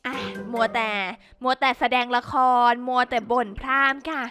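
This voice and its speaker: High-voiced, theatrical woman gamer. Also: little pitch movement, moderate pace, bright, forceful tone. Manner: theatrical, mock-scolding, talks to viewers. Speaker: gaming YouTuber. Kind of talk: playful game commentary. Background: background music.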